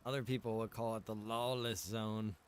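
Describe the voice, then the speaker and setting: Casual man livestreaming, clear background noise. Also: fairly low pitch, steady tone, normal speed. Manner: laid-back, rambling, slangy. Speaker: game livestreamer. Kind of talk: casual livestream commentary, chatting with viewers. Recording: clearly noisy, background ambience.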